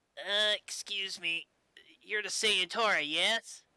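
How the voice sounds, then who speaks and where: A man puts on a character voice, pitched high for a man, speaking at a fairly slow pace with fairly even intonation. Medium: read story. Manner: hesitant.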